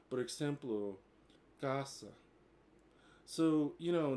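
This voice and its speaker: A man's voice: a little high, dark tone. Casual vlogger, man in his 40s, native English speaker, hesitant learner Portuguese mixed with English. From United States. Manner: hesitant, many fillers, switches between Portuguese and English. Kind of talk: casual bilingual talk to camera.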